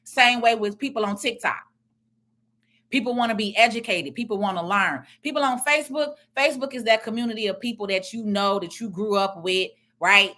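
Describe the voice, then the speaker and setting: A middle-aged woman with a loud voice and a confident, blunt way of talking, giving social media commentary as a tax and business strategist. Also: mid-range voice, brisk. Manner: confident, emphatic, plain-spoken.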